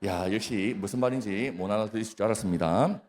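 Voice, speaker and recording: A man's voice: on the low side, fast talker, a little mellow. A male pastor with a Gyeongsang accent preaching a sermon at a prayer meeting, often putting questions to the congregation and teasing them. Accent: Gyeongsang Korean. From Gyeongsang region, Korea. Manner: questions the congregation, prompts replies, jokes. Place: church.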